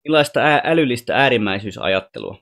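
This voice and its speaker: This is a calm, patient alien boy from the stars, soft-spoken and wise, as a man reads him. He explains things gently, like a teacher in a storybook, in a voice of middling pitch. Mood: gently teaching.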